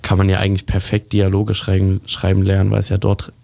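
A man's voice: deep voice, monotone, fast talker, creaky, mellow, dry recording. A man hosting a casual radio talk show, rambling and correcting himself as he chats about literature, laughing often. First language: German.

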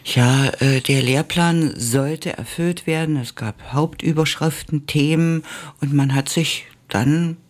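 An older woman from East Germany, a former Russian teacher, recalling her past slowly and with many hesitations in an interview. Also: sits low, darkish tone. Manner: slow and reminiscent, with frequent hesitations. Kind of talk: oral history interview.

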